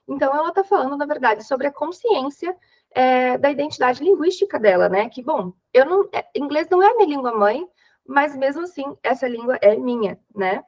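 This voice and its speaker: A woman's voice: fairly high pitch, muffled recording. A young Brazilian woman who teaches English in an exam-prep class, walking through reading techniques in a chatty, step-by-step way and checking in with her students often. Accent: Brazilian Portuguese. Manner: chatty, explains step by step, frequent "né?". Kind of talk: online exam-prep lesson.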